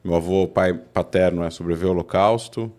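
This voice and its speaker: A political scientist from São Paulo, speaking with a Brazilian Portuguese accent, tells his story as an interview guest in long explanations full of restarts and self-corrections. His voice is low and dark-toned, fairly even in intonation, and brisk.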